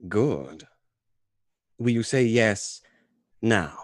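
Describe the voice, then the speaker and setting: Very slow, suave young lord. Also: male voice, fairly low pitch, animated, no room sound, studio quality. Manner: terse, deliberate. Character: reserved, suave young English lord, terse suitor. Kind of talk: radio play acting.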